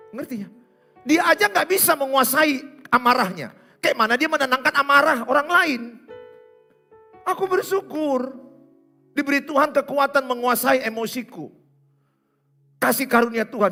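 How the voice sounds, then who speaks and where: Man, pastor preaching, sweeping lively pitch, faint instrumental music behind. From Indonesia. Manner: animated, teasing, acts out little scenes. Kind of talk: sermon. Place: church service.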